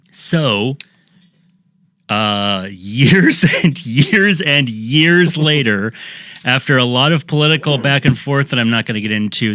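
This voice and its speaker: A man's voice: mid-range voice, fairly bright tone, no echo, clean studio sound. A man hosting a podcast, telling a story in casual chat with jokey asides. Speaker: podcast host.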